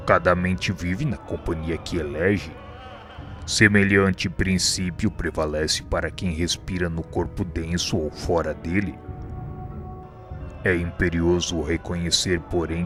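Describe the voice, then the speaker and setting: A man playing a wise, patient spirit mentor in a radio drama, explaining in a formal, solemn, didactic way. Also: low voice.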